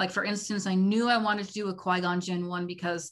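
Against a quiet background, a woman speaks at a medium pitch and moderate pace in a normal speaking voice. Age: 30s. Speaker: small business owner, candle maker. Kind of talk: interview.

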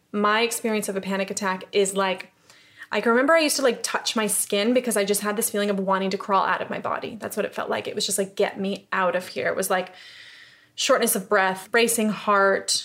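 This woman talks with a New York accent. Her pace is fairly quick. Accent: American (New York). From upstate New York. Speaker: interiors brand founder. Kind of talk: casual chat.

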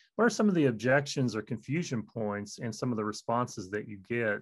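A man's normal speaking voice at medium pitch, with ordinary pitch variation, a moderate pace and big swings in loudness. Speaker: podcast host and online instructor. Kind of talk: interview, podcast host.

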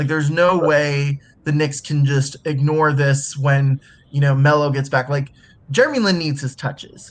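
Somewhat breathy and monotone, with flat intonation, the voice moves at a moderate pace in an American accent. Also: man, fairly high pitch for a man. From Texas (Houston). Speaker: podcast host. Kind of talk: casual chat.

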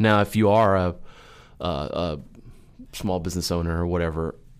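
Against a silent background in a very clean recording, a man speaks with a very deep, low pitch and fairly even intonation. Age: 40s. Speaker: podcast host. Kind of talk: solo podcast monologue. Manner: casual with frequent fillers.

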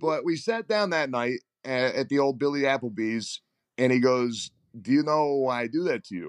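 An ordinary speaking voice: a man with fairly high pitch and lively intonation talks at a moderate pace, the sound dry and close with no echo over a quiet background. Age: 40s. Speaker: catch wrestling coach. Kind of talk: casual interview.

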